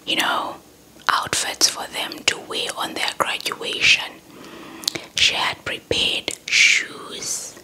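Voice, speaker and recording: A young woman telling a story in a breathy ASMR whisper close to the mic, deliberate and softly repeating words. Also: low-quality recording. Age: young adult. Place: indoors in front of a dark cloth backdrop. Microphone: handheld small mic with fluffy windscreen, held close.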